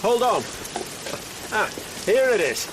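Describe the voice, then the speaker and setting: A nervous older doctor, swooping high voice. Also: male voice, sing-song, very noisy, exaggerated voice. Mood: feigned confidence. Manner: hesitant, halting, muttering. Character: elderly, nervous, desperate doctor with a terminal illness. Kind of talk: audio drama acting. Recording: dramatic music bed, rain effects.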